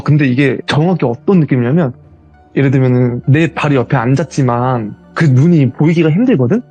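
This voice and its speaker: A man telling his own ghost story as a guest, in a casual, animated retelling. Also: medium pitch, breathy edge, lo-fi sound.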